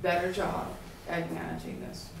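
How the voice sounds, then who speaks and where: Quick woman moderator, distant and echoey. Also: fairly low pitch, level tone, creaky. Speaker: panel moderator. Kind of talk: press conference remarks. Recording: distant, echoey, noisy room mic.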